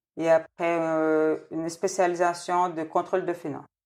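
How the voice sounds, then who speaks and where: The recording is very clean, with a silent background. A woman with a Portuguese accent speaks at a fairly slow pace in a fairly low pitch. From Brazil, northeast (Recife). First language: Portuguese (speaking French). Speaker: churchgoer giving faith testimony. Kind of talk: testimony interview. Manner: hesitant, many fillers.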